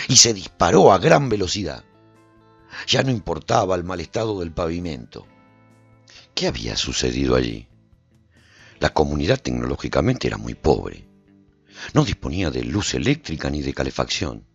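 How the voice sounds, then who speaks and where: Gravelly, brooding apocalypse survivor. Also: male voice, on the low side, full character voice. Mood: urgent. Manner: theatrical, brooding, with rhetorical questions. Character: bewildered, uneasy male survivor of an apocalypse, recounting his escape. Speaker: narrator and radio program host within the serial. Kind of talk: dramatic first-person radio serial narration.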